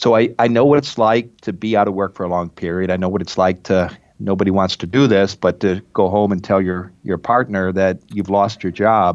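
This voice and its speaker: A man at a moderate pace with hardly any pauses against a quiet background. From US Midwest, eastern Iowa. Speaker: career expert and author. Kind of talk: interview.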